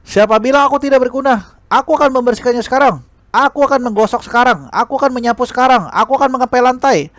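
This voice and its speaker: A man's voice: very high-pitched, fast, a bit bright, no room sound, pitched above the performer's own voice. A man voicing a haughty, hot-tempered young noblewoman in an audiobook, indignant and insistent as she exclaims.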